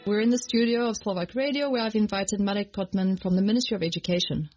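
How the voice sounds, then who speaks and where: A woman from South Africa hosting a radio feature, speaking in a clear, measured scripted delivery from a studio. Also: medium pitch, fairly even intonation, a little mellow, soft background music. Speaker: radio host. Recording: dull lo-fi radio broadcast.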